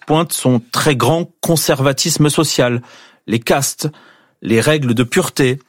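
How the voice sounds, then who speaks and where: A man presenting a news segment on morning radio, explaining the background in a measured way. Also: mid-range voice, no room sound, clean studio sound.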